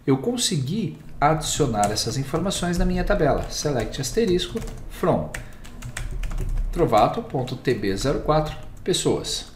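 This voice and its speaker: A Brazilian man with a slightly raised voice teaches a recorded computer lesson. He moves through each step calmly and plainly. His voice carries a noticeable room echo. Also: on the high side. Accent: Brazilian Portuguese. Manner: steady step-by-step explaining. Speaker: instructor. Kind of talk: screen-recorded tutorial.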